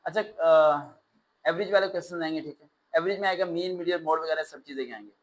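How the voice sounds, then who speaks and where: A man teaching a test-prep class, lecturing in an animated way with sarcastic, ranting asides. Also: a little high, fast, low-quality recording.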